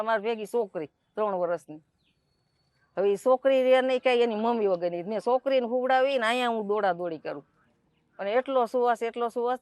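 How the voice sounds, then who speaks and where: A middle-aged woman gives an emotional eyewitness account as a relative of the patient, acting out the staff's words and her own in rapid back-and-forth dialogue. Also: on the high side, no echo. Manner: recounts events by quoting staff and herself in rapid dialogue.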